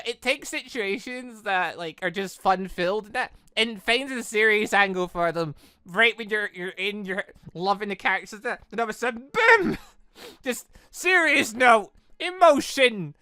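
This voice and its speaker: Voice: mid-range voice, lively intonation, measured pace, pushed and bright, clean tone, no room sound, studio quality. A let's play host giving emotionally reactive, rambling commentary on a story game. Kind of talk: playthrough commentary mixed with read-aloud dialogue.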